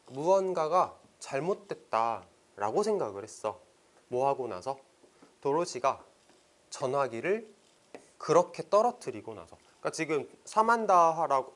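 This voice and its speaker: Lively male English tutor. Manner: explains line by line, reads English sentences slowly; lively pitch, casual teacher's speech. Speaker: English teacher. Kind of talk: exam passage explanation lesson.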